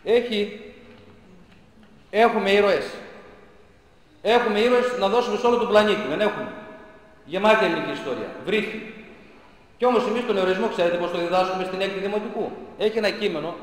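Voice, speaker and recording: A man's voice: high voice, long pauses. A man, a schoolteacher, giving an impassioned, indignant public talk full of sarcastic rhetorical questions in a church centre hall. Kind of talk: impassioned lecture. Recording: very echoey hall with long reverb.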